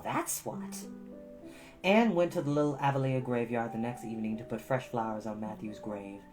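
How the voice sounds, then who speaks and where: A woman narrating a storybook expressively as a storytime reader, with casual asides to listeners. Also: very deep voice.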